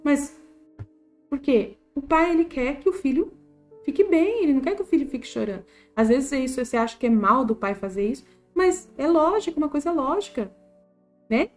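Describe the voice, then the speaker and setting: Brief: Brazilian woman, higher voice, chatty faith teacher, soft music faint behind. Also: brisk. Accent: Brazilian Portuguese. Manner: animated, repetitive, acts out little quoted scenes. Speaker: Catholic study group teacher. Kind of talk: informal religious teaching.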